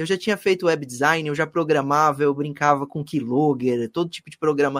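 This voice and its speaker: Recorded very cleanly against a silent background, with a dry, close sound and no echo, a man with an ordinary speaking voice and fairly high pitch talks at a moderate pace. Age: 30s. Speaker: digital law professor. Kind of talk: casual interview chat.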